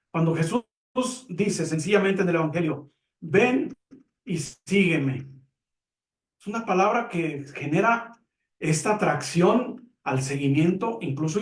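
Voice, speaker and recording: A man giving a calm, measured religious lesson, explaining with simple examples. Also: on the high side. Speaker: Catholic teacher on a program. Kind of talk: reflective religious teaching. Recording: echoey room, mic at a distance.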